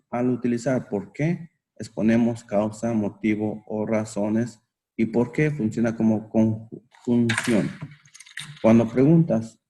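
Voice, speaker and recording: A male student reading his assignment aloud slowly, with halting restarts. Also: mid-range voice, mellow.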